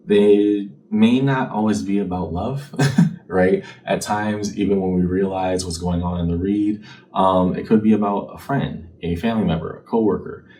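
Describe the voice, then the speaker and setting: Warm and low, this man's voice keeps fairly even intonation at a moderate pace as he reads tarot and tells fortunes for the viewer. He sounds relaxed and conversational, often checking in with "right?" A faraway mic picks up faint background noise.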